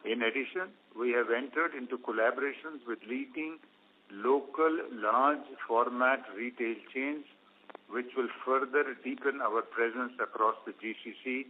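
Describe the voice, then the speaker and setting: Over a thin, phone-like conference line comes a man with an Indian accent and a medium-pitched voice. He presents company results from a script. His delivery is formal and measured, set out phrase by phrase like an executive reading to investors. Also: steady tone, slight background noise. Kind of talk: scripted earnings call presentation. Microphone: conference call line. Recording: phone-like, narrow-band conference call line.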